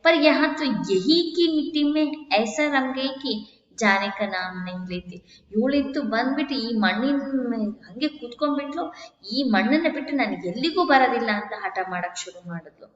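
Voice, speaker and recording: A woman's voice: sits high, lively intonation, moderate pace. A woman teacher reads each line and then explains it in plainer words. Her voice carries a long echo off the room. The sound is dull and muffled. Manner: reads Hindi lines, then retells them in Kannada. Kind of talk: explaining a Hindi textbook story in Kannada.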